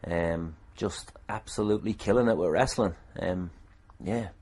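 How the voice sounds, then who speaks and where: A man's voice: sits low, measured pace, a little mellow, husky. An Irish man hosting a casual solo podcast, self-deprecating, irreverent and a little sweary. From Ireland. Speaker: podcast host and wrestler.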